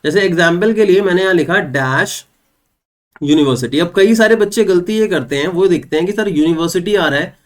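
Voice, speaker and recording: A young man teaches an English grammar lesson for exam students, with a voice pitched a little above the usual male range. He works through examples step by step, asking questions and answering them himself. He reads the English example sentences slowly and clearly. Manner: explains step by step, asks and answers his own questions. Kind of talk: online exam-prep lesson.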